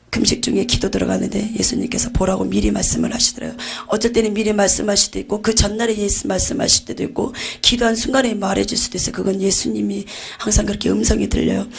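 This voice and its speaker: A woman pastor with a Jeolla Korean accent gives an emotional testimony to a congregation, swinging from hushed whispers to fervent shouts. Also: medium pitch, vocal fry, husky.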